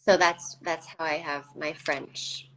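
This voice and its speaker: A woman's voice: sits low, fairly even intonation, slow, bright, forceful tone, slight background noise, low-quality recording. Reflective Canadian woman in her forties. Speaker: guest. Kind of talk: casual interview talk.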